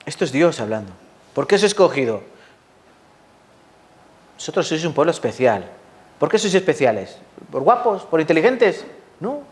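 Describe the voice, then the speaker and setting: A man preaching a sermon, lively and full of rhetorical questions to the congregation. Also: a little high, moderate pace, long pauses. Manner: lively, asks the audience rhetorical questions, acts out quotes.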